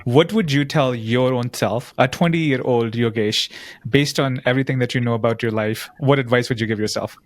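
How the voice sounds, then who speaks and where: A man's voice: medium pitch, moderate pace, no room sound. Male host with a dry, close sound. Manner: encouraging, sums up guest's points. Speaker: podcast host. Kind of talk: interviewing a guest.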